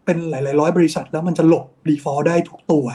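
A man's warm, fairly high voice holds a level tone and a brisk pace as he explains bond markets. He is an investment strategist who borrows English financial terms and tags his sentences with polite particles again and again.

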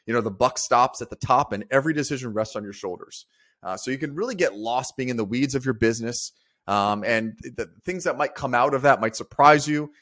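An upbeat man hosting a business podcast, easygoing and chatty. His voice sits at an ordinary middle pitch, and he drops in casual fillers as he goes. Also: a little fast, a bit bright. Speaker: podcast co-host.

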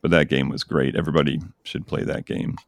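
A man's voice: very deep voice, little pitch movement, quick pace, dry recording, clean studio sound. A man hosting a podcast, chatting casually and enthusiastically about games he recommends. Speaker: podcast host. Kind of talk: casual chat.

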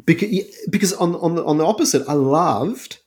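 A man's voice: fairly high pitch, lively intonation, a little fast, darkish tone. An Australian man co-hosting a book podcast, speaking with emphatic enthusiasm and frequent restarts. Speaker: podcast co-host, critic. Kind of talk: casual book discussion.

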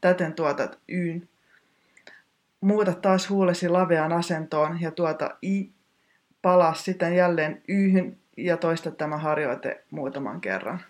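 A teacher giving a scripted pronunciation lesson in a precise, technical, instructive manner. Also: mid-range voice.

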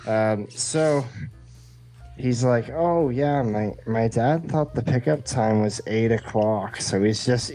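A man's voice: mid-range voice, mellow. A man hosting a podcast, telling a rambling, casual comic story and acting out the dialogue. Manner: rambling, acts out quoted dialogue. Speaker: podcast host.

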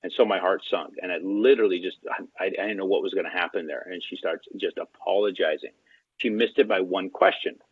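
A man with a low, husky voice tells a story as an interview guest in a loose, casual way. He acts out the quoted lines of the people in it as he goes. The sound is thin and tinny like a phone line, and dry, with no room echo. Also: fairly quick. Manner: animated, acts out quoted dialogue.

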